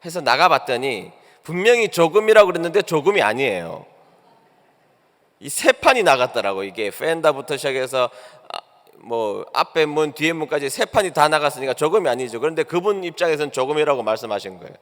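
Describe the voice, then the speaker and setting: A man's voice: a little high, expressive, a little fast, a bit bright. A male pastor preaching a sermon, telling a personal story and acting out both sides of a phone call. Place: church sanctuary. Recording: long church hall reverb.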